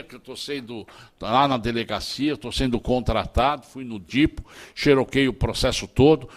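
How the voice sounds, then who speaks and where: A man's voice: mid-range voice, fairly bright tone. A man with a Brazilian accent giving a law lecture to students, telling anecdotes, acting out dialogue and repeating key points. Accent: Brazilian Portuguese.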